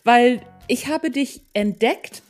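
A woman's voice: on the high side, slow pace, darkish tone, soft background music. A woman hosting a podcast, talking in an enthusiastic, informal way as she introduces and interviews.

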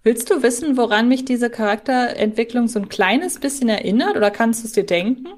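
A woman's voice: a little high, brisk, darkish tone. A woman co-hosting a podcast, talking conversationally in a reflective, careful manner. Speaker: podcast co-host. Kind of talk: conversational fan discussion.

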